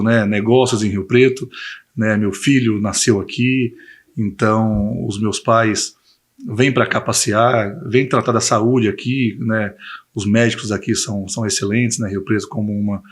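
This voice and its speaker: Husky Brazilian man in his forties. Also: lowish voice. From Bahia, Brazil. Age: 40s. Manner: frequent tag questions. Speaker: interview guest, visa consultancy owner. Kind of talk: conversational interview answers.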